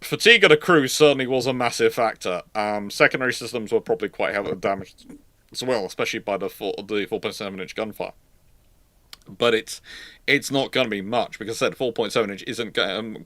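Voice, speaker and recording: Bright-voiced man talking off the cuff, stammering. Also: fairly low pitch, no echo. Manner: stammering, repeats words and restarts mid-phrase. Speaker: livestream host answering viewer questions. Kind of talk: casual live question-and-answer talk on naval history.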